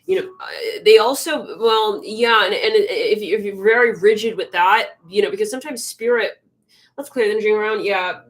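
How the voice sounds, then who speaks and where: A woman's voice: mid-range voice, normal speed. Chatty young woman, a little congested. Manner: rambling, filler-heavy, chatty, often murmurs to herself. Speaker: tarot reader hosting a live stream. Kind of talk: casual live-stream chat.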